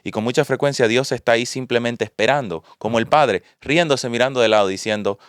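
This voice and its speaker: A man hosting a Christian podcast, telling a story in a measured, steady way and then signing off. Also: medium pitch, clean tone, no room sound, studio quality. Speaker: podcast host.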